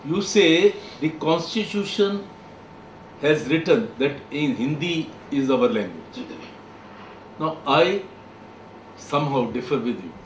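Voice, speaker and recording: A man, giving firm, opinionated views in a group discussion, speaking with pauses and emphasis. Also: on the high side, expressive, slight background noise. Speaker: panel discussant. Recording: echoey room, distant mic, faint background.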